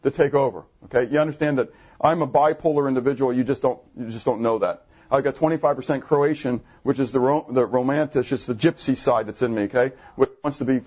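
A man preaching a sermon to his congregation, animated, asking the room questions, with jumps in pitch when he gets excited. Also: fast, husky, muffled recording. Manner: jumpy pitch, bursts high when excited. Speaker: pastor. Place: church assembly room.

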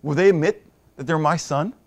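A middle-aged man preaching a sermon in a conversational way, asking the congregation questions and moving from hushed asides to emphatic points. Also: a little high, a little fast. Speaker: pastor.

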